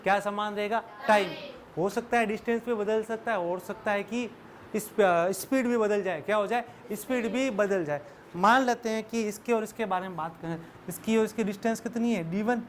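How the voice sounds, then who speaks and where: High-voiced Hindi physics teacher quizzing students. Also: male voice, moderate pace, a little hiss or hum. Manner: quizzes students constantly, calls them beta, jokes and laughs with the class. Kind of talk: classroom lecture with call-and-response questions. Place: classroom with students.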